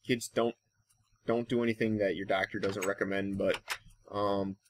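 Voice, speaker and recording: A man hosting a casual, rambling gaming commentary, thinking aloud in a halting way and trailing off. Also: lowish voice, level tone, slight background noise. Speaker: gaming channel host.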